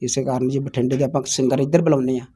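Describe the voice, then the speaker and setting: A man, a folk singer answering interview questions in a humble, soft-spoken way and often agreeing with "haanji". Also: mid-range voice, little pitch movement, rapid-fire, slightly rough. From Punjab, India.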